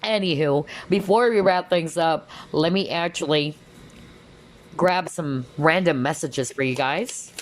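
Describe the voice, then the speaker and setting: Low-voiced woman losing her voice. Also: unhurried, a little hiss or hum. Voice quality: strained, tiring voice. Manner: chatty, reassuring, full of fillers and "okay?" check-ins. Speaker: tarot reader. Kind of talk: collective tarot reading.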